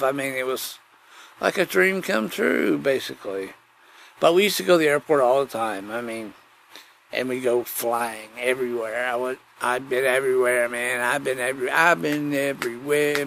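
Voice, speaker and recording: A man's voice: mid-range voice, creaky, fairly bright tone, slight background noise. A man chatting casually on his own as a podcast host, folksy and digressive, often circling back to repeat his phrases. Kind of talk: rambling casual solo chat.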